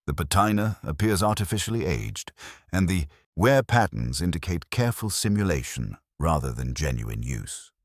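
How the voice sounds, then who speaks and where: A man voicing a careful small-town jeweler in a mystery story, speaking formally and with deliberate precision. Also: low-pitched, sing-song, no room sound, studio quality. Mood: expert, measured.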